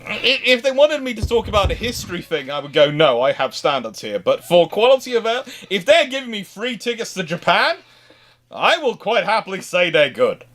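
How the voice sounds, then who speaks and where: A man's voice: sits high, big pitch swings, normal speed, fairly bright tone. A man hosting a casual livestream chat, talking in a rambling, stop-start way that doubles back on words. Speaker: livestream host.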